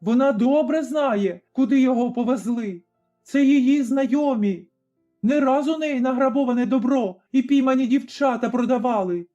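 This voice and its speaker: A young servant girl in a folk tale speaks out in a high, urgent, accusing voice, as a male storyteller puts her on. The tone stays dark and soft under the raised pitch. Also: normal speed, muffled recording, soft background music.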